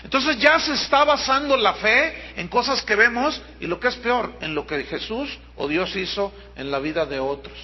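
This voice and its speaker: High-pitched man, Mexican accent, husky, preaching emphatically, muffled church recording. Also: expressive. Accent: Mexican Spanish. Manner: emphatic preaching, drawn-out stresses, mimics people. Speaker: pastor. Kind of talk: sermon. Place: church auditorium.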